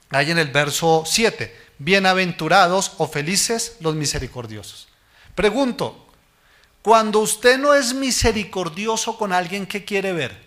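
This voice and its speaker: High-voiced male pastor preaching. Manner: asks the congregation questions and answers them; drops low and soft at the ends of phrases. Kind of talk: sermon.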